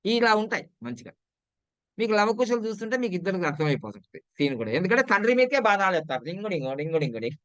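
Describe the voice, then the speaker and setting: Chatty Telugu-accented man, smooth voice. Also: sits high, sing-song, fast talker, a bit bright, no room sound. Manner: chatty, repetitive, asks viewers to comment. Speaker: numerology and astrology presenter. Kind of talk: casual talk to viewers.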